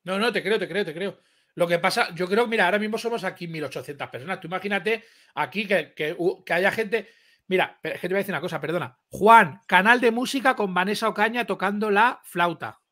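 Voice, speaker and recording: An excitable man with a Spain Spanish accent hosts a casual stream. His voice sits high and sounds bright, almost sharp. He rambles through slangy stories. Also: fast. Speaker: host. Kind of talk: casual live-stream chat.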